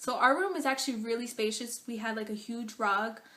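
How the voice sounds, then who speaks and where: An animated woman with a fairly high pitch is heard amid noticeable background noise and audible room echo. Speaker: college student vlogger. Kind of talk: casual vlog monologue. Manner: fast; animated, filler-heavy.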